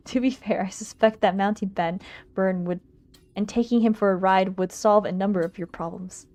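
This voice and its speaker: A woman streamer reading a visual novel aloud on a livestream, expressive and giggly, stumbling over lines and making asides to chat. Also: mid-range voice, moderate pace. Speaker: streamer, VTuber. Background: game music.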